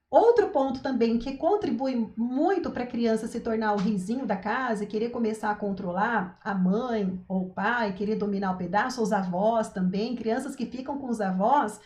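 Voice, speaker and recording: A woman with a Brazilian Portuguese accent giving a live-stream talk on parenting, animated, acting out what parents say and checking in with her listeners. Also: a little high, roomy sound. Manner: animated, acts out parents' lines, frequent "tá?" check-ins. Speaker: parenting coach.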